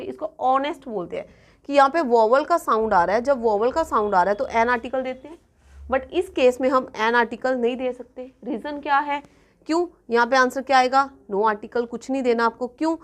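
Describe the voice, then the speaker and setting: Brief: woman exam-coaching teacher, somewhat high voice, patient repeated examples. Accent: Punjabi-influenced Hindi-English. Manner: checks in often with students, repeating examples slowly. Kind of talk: classroom grammar lesson.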